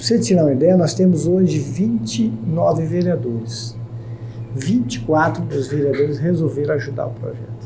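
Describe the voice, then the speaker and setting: Audible room echo and noticeable background noise surround the voice. A man speaks at a moderate pace with a fairly high pitch and ordinary pitch variation. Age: 60s. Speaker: city councillor and social worker. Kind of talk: interview.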